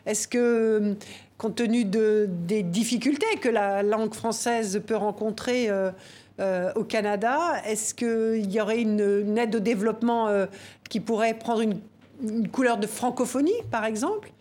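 A woman's voice: fairly high pitch, unhurried, darkish tone. A woman TV interviewer asking long news-interview questions full of fillers.

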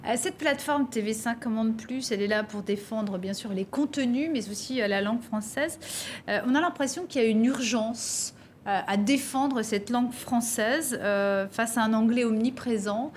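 A woman with a somewhat high voice hosts a television interview. She asks her questions hesitantly, with many fillers along the way. A faint low rumble sits behind her. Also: moderate pace. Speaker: TV interviewer and host.

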